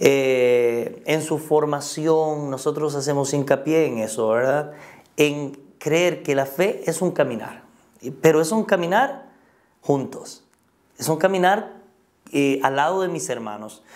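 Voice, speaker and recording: A man talks very slowly at a fairly high pitch, and his pitch varies in an ordinary way. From Costa Rica. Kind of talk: interview answer.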